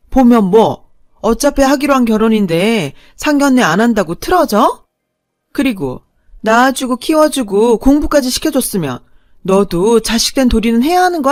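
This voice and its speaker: A woman voicing a harsh, domineering older mother who berates her daughter in a loud, shrill voice. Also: dry recording, studio quality.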